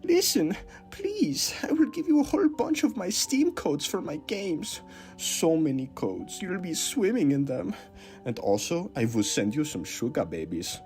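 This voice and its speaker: A man's voice: on the high side, huge pitch swings, measured pace, darkish tone, faint music behind, pitched above the performer's own voice, exaggerated voice. A man voicing a desperate Austrian man who begs and wheedles in a strained voice with an Austrian accent, in a comic monologue. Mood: wheedling. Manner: begging, salesman-like wheedling. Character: desperate, pleading Austrian man begging for a tank.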